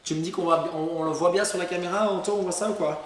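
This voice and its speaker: A fairly high-voiced Belgian man with a Liège accent chats through a home cooking segment, filling his sentences with hesitations and breaking into loud emphatic bursts. His voice rings around an echoey kitchen, with faint noise and clicks behind it. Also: steady tone, quick pace. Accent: Belgian French, Liège. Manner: chatty, hesitant with many fillers, bursts of emphatic shouting. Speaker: nutrition show host. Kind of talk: casual cooking chat.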